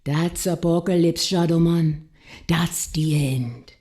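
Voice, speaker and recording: An actress voicing a commanding, seductive voodoo priestess in a video game, a mysterious mentor with a portentous, folksy way of talking. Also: female voice, sits low, steady tone, takes it slowly, dark tone. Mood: ominous warning. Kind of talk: dramatic game cutscene acting.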